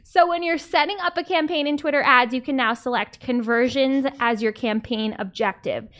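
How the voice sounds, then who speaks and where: A woman hosting a podcast, chatting casually and wryly reading out marketing news, with a somewhat squeaky voice. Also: normal speed, fairly bright tone. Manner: chatty, wry, reads out news items. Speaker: podcast host.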